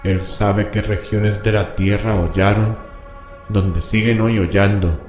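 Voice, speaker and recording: A man's voice: on the low side, steady tone, a little mellow. A man playing a grave, horrified scholar who reads forbidden occult scripture aloud in a solemn, ominous horror radio drama manner. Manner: slow, solemn, ominous incantatory delivery. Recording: reverberant voice with music bed.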